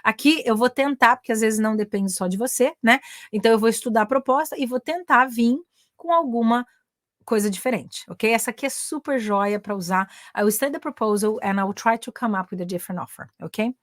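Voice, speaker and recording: A woman's voice: on the high side, a little fast, dry recording, clean studio sound. A woman with a Brazilian accent teaching business English in a live online class, chatting with her audience and repeating example phrases. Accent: Brazilian Portuguese. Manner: switches between Portuguese and English examples, chatty, addresses audience as gente.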